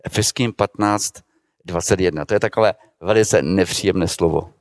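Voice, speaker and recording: A man preaching a sermon to a congregation, putting rhetorical questions to his listeners and swinging between loud, emphatic lines and quiet asides. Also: low-pitched, no echo, studio quality.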